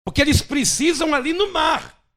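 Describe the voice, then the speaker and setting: High-voiced pastor preaching. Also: male voice, normal speed, fairly bright tone. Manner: emphatic, dramatic preaching. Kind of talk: sermon.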